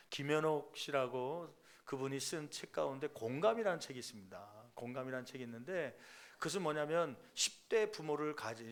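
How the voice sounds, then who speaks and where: Middle-aged man, pastor; high, gravelly voice; preaches emphatically and voices the people in his stories. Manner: acts out parents and child in quoted voices; emphatic, rising to loud peaks. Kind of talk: sermon.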